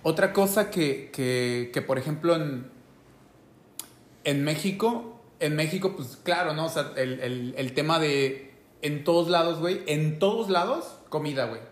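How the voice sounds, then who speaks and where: A man's voice: fairly high pitch, measured pace, echoey room. A man from Oaxaca with a Mexican Spanish accent, chatting casually on a podcast in a slangy way. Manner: slangy, peppers talk with "güey". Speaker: podcast host.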